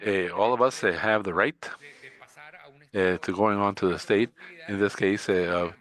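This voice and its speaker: A man's voice: lowish voice, fairly even intonation, moderate pace, fairly bright tone. A man from Rica, giving a conference presentation in hesitant English, full of filler sounds and restarts. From Costa Rica. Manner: hesitant, many filler uhs and restarts, speaking English as a second language. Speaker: conference speaker.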